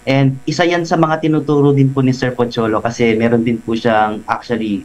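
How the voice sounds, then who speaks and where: Animated voice artist man. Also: mid-range voice, a little fast, rough recording. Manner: animated, explains while slipping into voices. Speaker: voice artist guest. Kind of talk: casual radio interview.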